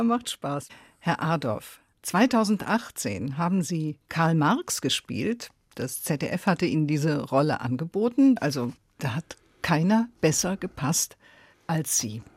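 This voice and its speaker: A woman hosting an interview, putting friendly, lively questions to her guest. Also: sits low, slightly rough, no echo. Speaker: interviewer, host. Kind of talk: radio interview.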